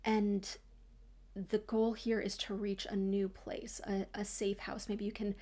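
A woman's voice: mid-range voice, level tone, measured pace. A woman in her thirties, an autism coach, talking thoughtfully to camera from a small room at home, gesturing as she goes and often restarting her phrases. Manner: thoughtful, gestures a lot, frequent restarts and soft trailing asides. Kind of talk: reflective talk to camera.

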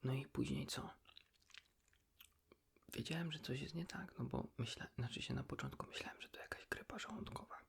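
Casting: male ASMR host, hushed whisper with heavy gravelly fry, informal and confiding. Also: mid-range voice, moderate pace. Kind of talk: ASMR, whispered casual chat with the listener.

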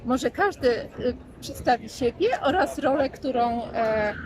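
Out on a town street, a woman hosts a vlog interview in a courteous, somewhat hesitant and formal manner. Her voice is high-pitched and animated, her pace unhurried. Crowd and traffic noise fill the outdoor recording.

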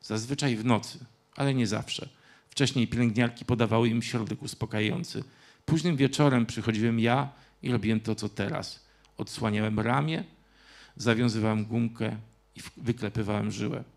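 A man reading from a novel and voicing a stern, cold elderly grandfather in a literary reading, with clipped, drawn-out words. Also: fairly low pitch, fairly even intonation, creaky. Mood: quiet menace.

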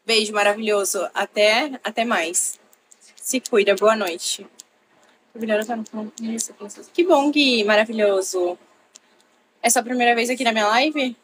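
Young girl doing a bedroom live stream, kinda high voice, faint hiss behind. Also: moderate pace, fairly bright tone. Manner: chatty, greets and thanks viewers by name. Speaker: livestream host. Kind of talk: casual live-stream chat. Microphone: laptop.

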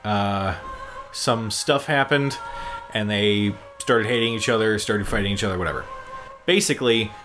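With game cutscene music in the background, a man hosting gaming commentary casually explains the game and rambles the way a fan would. He speaks at a normal speed in a lowish voice.

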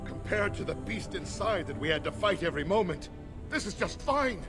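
A man's voice: sits high, expressive, normal speed. An actor playing a grateful, relieved man freed from a curse in a fantasy video game, solemn and awed. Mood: awed relief. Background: game music behind the voice.

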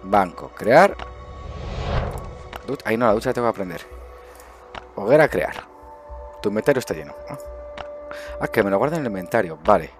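A man's voice: lowish voice, animated, moderate pace, pauses often, soft background music. A middle-aged man with an accent from Spain giving casual, improvised gameplay commentary, chatting and thinking aloud with muttered questions to himself. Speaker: gaming video host. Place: indoors at a desk, webcam view.

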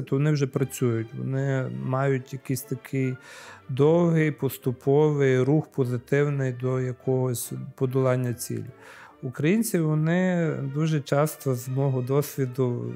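Man, priest, mellow dark voice, thoughtful answers, lapel mic, faint music underneath. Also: medium pitch. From Ukraine. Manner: thoughtful, hesitant fillers, lively when acting out scenes. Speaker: priest interviewed as guest. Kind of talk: conversational interview answers. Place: library studio, then outdoor courtyard.

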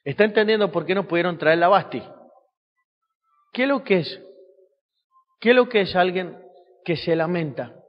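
Male pastor, high voice, sermon with rhetorical questions, muffled recording in an echoey church hall. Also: expressive, normal speed, long pauses, soft background music. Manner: preaching with rhetorical questions to the congregation.

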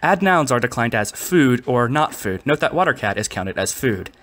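A man's voice: mid-range voice, very animated, moderate pace, fairly bright tone. A man narrating a scripted comedic review in a mock-serious way, with exasperated asides. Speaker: reviewer of constructed languages.

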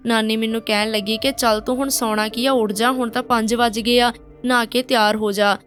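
A woman's voice: on the high side, steady tone, a little fast, a bit bright, soft background music. A woman narrating a painful first-person story in a plain, direct way.

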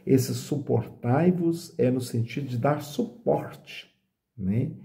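A middle-aged man from Brazil, a priest, reading scripture aloud and explaining it in a slow, reflective way, often asking "né?". He speaks into a phone camera held close in a small indoor room. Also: mid-range voice, vocal fry, warm tone. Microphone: phone camera at close range.

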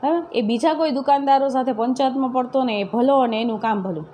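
A woman with a Gujarati accent teaching a story lesson, reading each line and then retelling it plainly for her pupils. Her voice sits a little high, and a faint hum of noise runs under the recording. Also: fast talker, dark tone. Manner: reads a line, then retells it in plain words with tag questions. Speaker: school teacher. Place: classroom-style video lecture.

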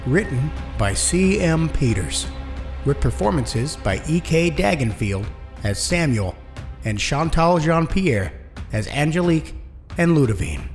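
A man reading scripted credits and announcements as a podcast host. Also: on the high side. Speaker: podcast host and audio engineer.

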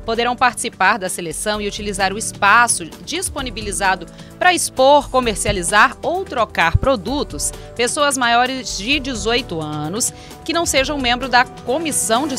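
A woman's voice: a little high, a bit bright. A young woman reading a city news bulletin in a small radio studio, adding chatty asides. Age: young adult. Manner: reads from paper with chatty asides. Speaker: news presenter. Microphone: studio mic on desk.

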